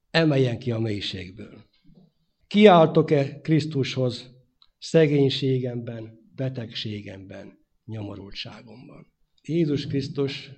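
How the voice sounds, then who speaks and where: A man preaching a sermon, his delivery swinging from loud emphatic phrases to hushed endings. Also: medium pitch, breathy edge. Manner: dynamic preaching, rising loud then dropping to hushed.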